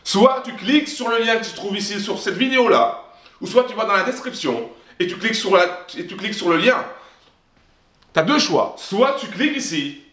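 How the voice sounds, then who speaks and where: A man's voice: sits high, fairly bright tone, reverberant. A man giving a motivational talk straight to camera, emphatic and repetitive, often restarting his phrases. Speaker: self-help vlogger.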